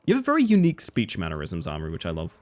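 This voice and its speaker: A man's voice: deep voice, huge pitch swings, very fast. A man with an Australian accent, chatting casually with his live-stream audience while gaming, reading chat aloud and swearing now and then.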